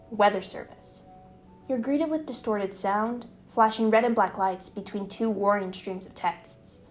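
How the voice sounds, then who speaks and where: A woman hosting and narrating a scripted video essay in a conversational way, leaning into dramatic emphasis. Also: medium pitch. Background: background music.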